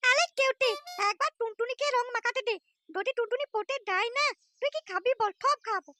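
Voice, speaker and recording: A cheeky, boastful little boy for a comedy cartoon. The voice is extremely high and piercingly bright, with a childish lisp and a foul mouth. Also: a little fast, dry recording, clean studio sound, faint music behind. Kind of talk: comic cartoon dialogue.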